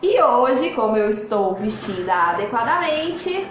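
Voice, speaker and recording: A Brazilian woman speaking from home on a live stream, lively and expressive, changing her loudness and tone on purpose as she reads out viewers' comments. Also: fairly high pitch, measured pace, echoey room, a little hiss or hum. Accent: Brazilian Portuguese. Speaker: lawyer and online mentor hosting a live.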